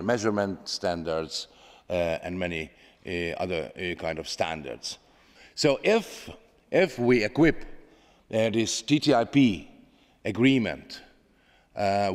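A man in his fifties with a Hungarian accent, speaking formally and haltingly as he answers questions from a panel. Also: on the low side. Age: 50s. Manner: halting, hesitant with many pauses. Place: large parliament chamber. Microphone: gooseneck desk microphone. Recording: echoey large hall, long reverb.

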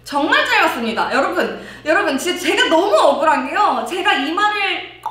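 A woman's voice: very high voice, very animated, moderate pace, bright, forceful tone. A woman in her twenties with a Japanese-sounding accent in her Korean, hosting a casual Q&A chat. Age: 20s. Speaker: YouTube host. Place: bare white indoor studio. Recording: echoey room, far mic, noisy.

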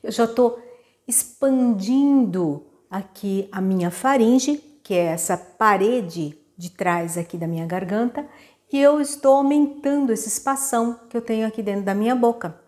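A woman's voice: on the high side, measured pace, dark tone. A Brazilian woman singing teacher giving a patient, step-by-step lesson on breathing, often checking in with her students. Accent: Brazilian Portuguese. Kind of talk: vocal lesson with demonstrations.

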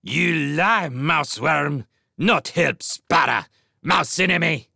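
A man's voice: fairly high pitch, sing-song, slow, gravelly, bright, forceful tone, breathy edge, no echo, clean studio sound, pitched above the performer's own voice, exaggerated voice. King Bull Sparrow, shrieking bird tyrant. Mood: contemptuous fury. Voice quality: shrieking, harsh. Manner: broken, clipped grammar, barking commands. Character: savage, wrathful sparrow king, shrill and bullying.

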